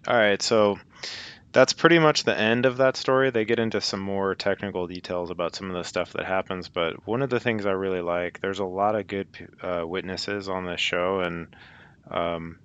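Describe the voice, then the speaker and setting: A man with a low, smooth voice comments casually as a host. His delivery is off the cuff, and the recording is slightly dull. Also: steady tone, moderate pace, a bit bright. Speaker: host playing clips for listeners.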